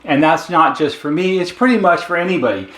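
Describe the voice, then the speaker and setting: A man's voice: a little high, expressive, brisk, fairly bright tone. A man giving a casual, plain-spoken explainer, taking it step by step in a conversational way. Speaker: intercom service technician and presenter. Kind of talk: casual explainer talk with a diagram. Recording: echoey, roomy sound.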